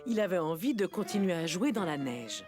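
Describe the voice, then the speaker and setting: A woman narrating a children's cartoon in a calm, clear storytelling tone. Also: on the low side, fairly quick. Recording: studio narration with music bed.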